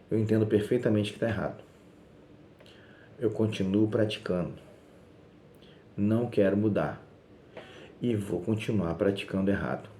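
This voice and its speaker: A man's voice: fairly low pitch, warm tone. Male preacher, insistent sermon delivery, roomy echoey recording with faint hiss. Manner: emphatic, insistent preaching with repeated phrases. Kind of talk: sermon video. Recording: roomy echo, faint background noise.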